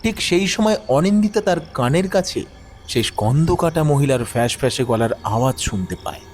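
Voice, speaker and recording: Male narrator for ghost tales, highish voice, lively swings in pitch, dramatic scripted read. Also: fairly quick, soft background music.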